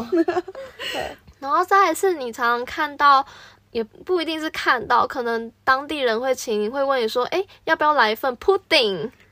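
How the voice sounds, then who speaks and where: Using a raised, projected voice, a woman speaks at a high pitch and a moderate pace with lively intonation. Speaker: working holiday backpacker, podcast co-host. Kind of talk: casual chat.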